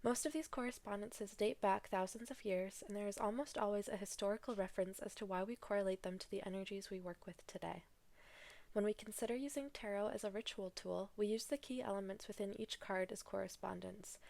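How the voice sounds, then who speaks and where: Stuffy-nosed woman with a gravelly voice. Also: medium pitch, a little fast. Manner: chatty and relaxed, reads book passages aloud. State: stuffy nose, a little out of breath. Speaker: tarot reader. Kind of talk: casual tarot reading to camera.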